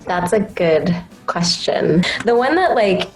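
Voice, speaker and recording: A woman's voice: on the low side, animated, slow pace, soft background music, low-quality recording. A young woman voice actress talking enthusiastically in a casual interview, with many fillers. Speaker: anime voice actress, guest.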